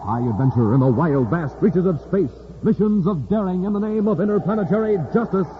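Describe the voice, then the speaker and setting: A man's voice: sits high, expressive, brisk, phone-quality sound. A male announcer in a 1950s radio serial, narrating and selling cereal with showy emphasis. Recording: hissy old radio transcription.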